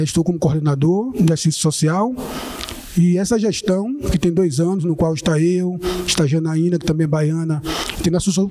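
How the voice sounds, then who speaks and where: High-voiced Bahian man, mellow tone. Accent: Bahian Portuguese. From Bahia, Brazil. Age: 40s. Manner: earnest and informal, often adds a questioning tag. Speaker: panelist, social assistance coordinator. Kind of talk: panel talk, personal account. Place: indoor studio panel, seated among guests.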